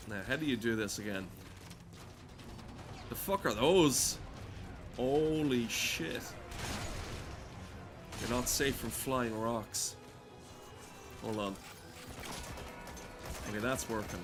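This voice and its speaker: A man giving casual, sweary, joking gameplay commentary, often muttering to himself as he plays. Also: medium pitch. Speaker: gaming video commentator. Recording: noisy background of game sounds. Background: video game ambience.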